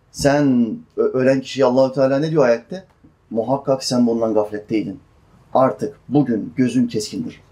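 A man's voice: a little high, warm tone. A man preaching a sermon, explaining Quran verses and asking his listeners questions. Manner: chants Quranic verses slowly, then explains in plain speech; asks the listeners questions and answers them.

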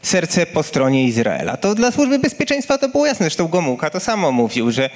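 A man's voice: fairly high pitch, wildly swooping pitch, brisk. A young adult man, a historian, explaining an answer at a public discussion, searching for words as he goes. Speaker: historian on a panel.

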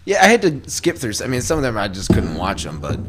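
A man co-hosting a podcast in crude casual banter, low-key and often mumbling quietly. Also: huge pitch swings, quick pace, background noise. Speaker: podcast co-host.

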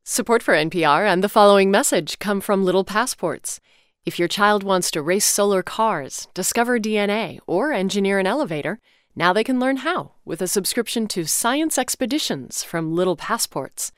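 Crisp woman reading sponsor messages. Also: mid-range voice, expressive, normal speed, no room sound, studio quality. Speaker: sponsor announcer. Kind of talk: scripted sponsor read.

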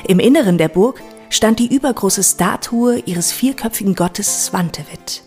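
A woman's voice: mid-range voice, moderate pace, a little mellow. A woman reading scripted narration for an audio walk, with guitar music behind her.

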